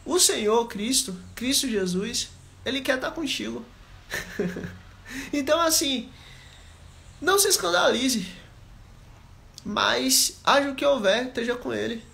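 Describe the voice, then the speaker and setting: A man's voice: very high-pitched, lively intonation, unhurried, gravelly, long pauses, sharp tone. A man preaching a live Bible study, talking directly to his listeners and repeating his points with emphasis. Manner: repetitive, emphatic exhortation; conversational, addresses listeners directly.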